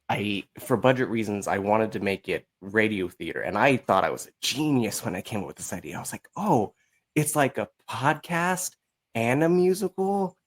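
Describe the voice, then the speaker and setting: A man chatting casually as an interview guest, telling his story in a candid, animated, self-deprecating way. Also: fairly low pitch. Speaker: podcast guest, musical writer.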